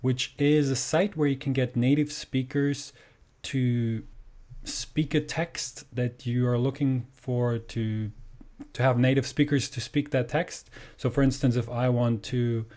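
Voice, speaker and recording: A man's voice: medium pitch, steady tone, unhurried, darkish tone. A man from Germany, a native German speaker, hosting an interview in English with an enthusiastic, casual manner. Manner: enthusiastic, says "awesome" often.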